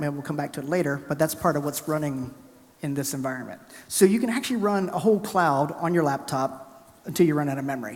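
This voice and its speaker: A man with an American accent talks at a very fast pace in a fairly high pitch, with noticeable background noise. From US South, Alabama. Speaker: conference speaker. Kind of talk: technical conference talk with live demo. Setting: stage with audience. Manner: animated.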